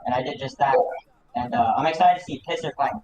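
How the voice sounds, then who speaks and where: A man's voice: mid-range voice, a crowd in the background. A man talking casually and slangily after his boxing match over a muffled headset mic that sounds underwater. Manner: laid-back, slangy, talks of himself with quick repeats. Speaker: boxer interviewed after his fight. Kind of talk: casual post-fight chat. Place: at home on his PC. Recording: muffled lo-fi voice chat mic with room echo.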